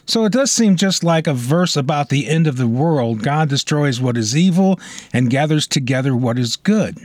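A man's voice: a little high, animated, normal speed, darkish tone, no room sound, clean studio sound. A man hosting a radio segment, playing along warily and a little reluctant, in a scripted sketch. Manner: wary, playfully reluctant. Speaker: radio host.

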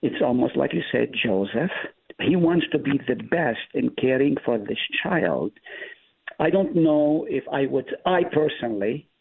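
Middle Eastern pastor, native Hebrew speaker, lively emphatic teacher, husky voice over a thin phone line. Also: male voice, medium pitch, unhurried. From Middle East. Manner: emphatic, explaining with rising stress. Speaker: pastor guest. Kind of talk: Bible study discussion. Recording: tinny phone-line audio.

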